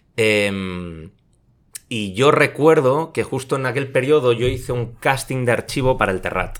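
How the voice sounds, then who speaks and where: This man has an ordinary speaking voice, medium in pitch, delivered at a fairly slow pace. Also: ordinary pitch variation, very clean recording, silent background. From Catalonia. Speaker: actor. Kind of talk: casual chat. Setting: studio.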